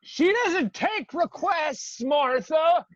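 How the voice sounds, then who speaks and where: An actress playing an oblivious, intrusive patron in a comedy sketch, with a halting, drawn-out delivery. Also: female voice, high voice, expressive, dry recording, dull audio. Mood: sheepish. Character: oblivious intrusive patron asking for song requests. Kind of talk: virtual staged comedy sketch reading.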